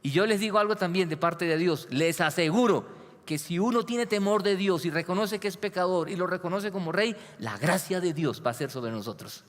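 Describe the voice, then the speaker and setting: A male pastor delivering a sermon, animated and building to emphatic peaks. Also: sits high, brisk. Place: church hall. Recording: long reverb of a church hall.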